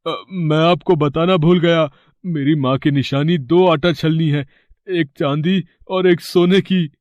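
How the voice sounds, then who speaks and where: A man's voice: on the high side, steady tone, measured pace, darkish tone, dry recording, dull audio, close to an everyday voice. A man voicing a greedy, scheming elder brother in a cartoon story, wheedling and putting on fake tears. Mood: fake-weeping. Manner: wheedling, fake-weeping, then panicked. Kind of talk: cartoon voice acting.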